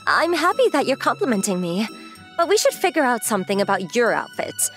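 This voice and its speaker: Assertive, secretly lovestruck young woman, played by an actress, lively and blunt, manga romcom over light music. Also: a little high, brisk. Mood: bossy, upbeat. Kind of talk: manga dub acting.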